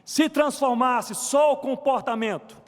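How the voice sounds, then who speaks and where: Pastor guy preaching, really high voice for a man, long echo from a big church. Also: a little slow. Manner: storytelling preaching, addresses the congregation, swings between soft and emphatic. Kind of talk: sermon. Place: church sanctuary.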